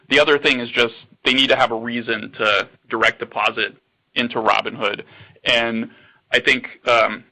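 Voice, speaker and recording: A man's voice: medium pitch, bright, forceful tone, low-quality recording. A man speaking as a company executive on an earnings call, confident and promotional. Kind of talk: answering questions on an earnings call.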